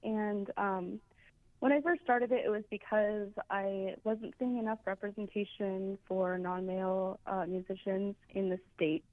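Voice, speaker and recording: Guest: woman founder, mid-pitched, earnest, dry and phone-thin sound. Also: fairly even intonation, a little slow, dry recording. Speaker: organization founder. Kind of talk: casual interview chat. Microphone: phone line. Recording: tinny phone line.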